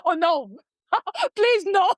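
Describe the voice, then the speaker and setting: A woman's voice: extremely high pitch, big pitch swings, extremely slow, no echo, clean studio sound. A woman from Serbia with a Serbian accent, chatting casually as a podcast guest, hesitant as she searches for words. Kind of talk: casual chat.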